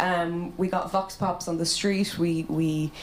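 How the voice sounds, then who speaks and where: A speaker with an Irish accent talks in a monotone, flat intonation. The recording has audible room echo and noticeable background noise. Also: woman. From Ireland, Irish-speaking household. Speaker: documentary maker. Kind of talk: panel discussion.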